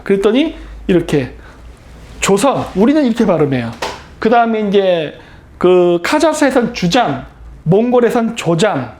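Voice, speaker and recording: A man's voice: high-pitched, darkish tone. A man giving a history lecture, explaining with emphasis and often asking rhetorical questions he answers himself.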